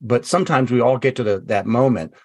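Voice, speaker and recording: A man's voice: mid-range voice, no room sound. A man, an author, telling personal stories in an interview, stumbling over and repeating words as he goes. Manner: halting, repeats words, animated when quoting himself. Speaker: author guest. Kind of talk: storytelling interview.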